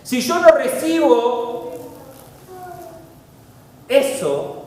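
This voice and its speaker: A man with a Uruguayan accent preaching a sermon as pastor, emphatic, swinging between loud pleas and soft low asides. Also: sing-song, drawn-out words. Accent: Uruguayan Spanish. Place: church hall. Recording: echoey hall with faint noise.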